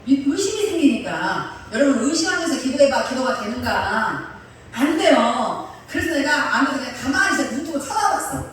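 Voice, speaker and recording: A woman pastor preaching a sermon, telling personal stories in a lively way, often laughing and acting out the people in them. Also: high-pitched, normal speed, a little hiss or hum. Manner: animated storyteller, often laughing and acting out quotes. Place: church sanctuary. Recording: echoey church hall, mic far off.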